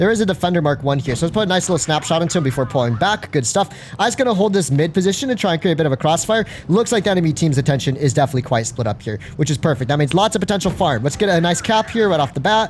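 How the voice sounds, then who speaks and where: A man's high pitch with very wide swings at a very fast pace, over noticeable background noise. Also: very even loudness. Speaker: gaming streamer. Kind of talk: live gameplay commentary. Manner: energetic.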